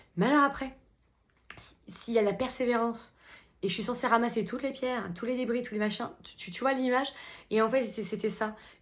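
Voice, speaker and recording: Animated in tone, a woman with a fairly high pitch talks at a fairly quick pace, her loudness swinging widely. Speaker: spiritual coach and therapist vlogger. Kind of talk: casual personal vlog monologue. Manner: fast.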